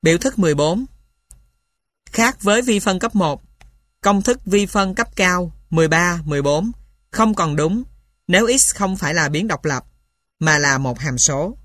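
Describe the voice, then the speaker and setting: Woman reading out a textbook like she's dictating it, lowish voice, super dry sound. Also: animated, normal speed, a bit bright, no room sound. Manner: dictating, spelling out formulas and punctuation symbol by symbol. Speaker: reader of a mathematics textbook. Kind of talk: scripted textbook narration.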